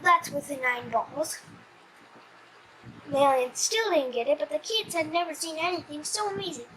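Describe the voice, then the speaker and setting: A child reading a comic storybook aloud in an animated, slightly stumbling way. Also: high voice, moderate pace, slight background noise, rough recording.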